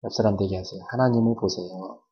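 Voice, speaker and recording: A man preaching a sermon at a church service, animated, tossing sound-effect words and questions to the congregation. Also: lowish voice, quick pace. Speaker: pastor. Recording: dull lo-fi church video recording.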